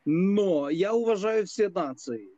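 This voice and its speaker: A man from Ukraine calling into a live stream, debating in a halting, deliberate way with drawn-out hesitations over an internet call. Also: sits high, lively intonation, dark tone, no echo. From Lviv, Ukraine. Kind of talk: unscripted debate. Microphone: internet video call. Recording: dull lo-fi call audio.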